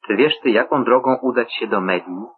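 A man reading the part of a dutiful young son in a measured scripture reading, on a tinny phone-like line. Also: medium pitch, slight background noise, natural voice. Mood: earnest. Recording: tinny phone-like radio sound.

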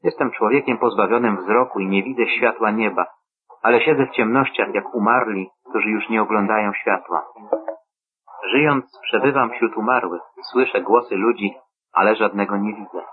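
A man's voice: lowish voice, a little hiss or hum, lightly acted. A man reading as an old blind father. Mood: solemn. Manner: measured, solemn reading. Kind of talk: scripture reading. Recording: tinny phone-like radio sound.

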